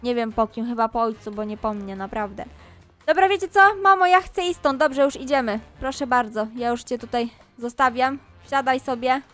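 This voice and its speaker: A woman's voice: fairly high pitch, normal speed, faint music behind. A woman commenting on a game as she role-plays a mom scolding her kids, with asides to viewers. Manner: addresses viewers directly. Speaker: Roblox gaming YouTuber playing a mom. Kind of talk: roleplay gameplay commentary.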